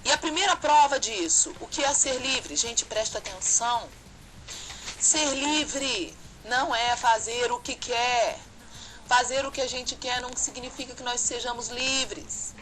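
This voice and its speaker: A woman's voice: on the high side, a little slow, fairly bright tone, rough recording. A woman pastor delivering an earnest, fervent sermon to an online audience, recorded on a home webcam. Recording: faint background noise from a webcam stream.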